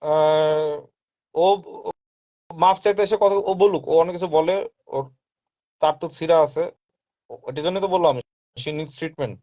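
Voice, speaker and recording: A man's voice: fairly high pitch, unhurried, long pauses, mellow. Insistent man talking in a dull recording. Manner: insistent, repeats points, mixes in English phrases. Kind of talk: casual live talk. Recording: dull lo-fi sound.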